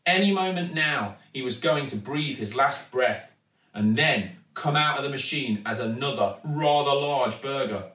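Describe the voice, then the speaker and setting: A British man reading a children's story aloud in a dramatic, deliberate way. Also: mid-range voice, a bit bright. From United Kingdom. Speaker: actor reading a children's book. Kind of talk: expressive storybook narration. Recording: echoey room, distant mic.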